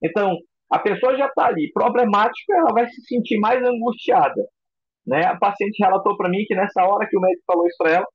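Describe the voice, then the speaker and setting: High-voiced husky man teaching a class. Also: fast, no room sound, dull audio. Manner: expressive, acts out example voices. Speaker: psychoanalysis instructor. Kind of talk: recorded lecture.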